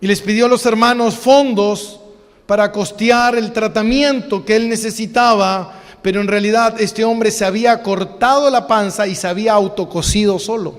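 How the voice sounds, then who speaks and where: A man's voice: high voice, steady tone, moderate pace, big-room sound. A man with an Argentine accent, a pastor preaching a sermon, emphatic and full of rhetorical questions. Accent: Argentine Spanish. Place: church hall.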